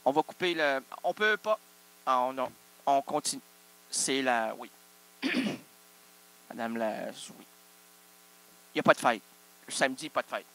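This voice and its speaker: A man's voice: mid-range voice, measured pace, long pauses, sharp tone. A man, hosting an improvised solo comedy show full of absurd, self-interrupting wordplay. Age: 30s. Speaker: host.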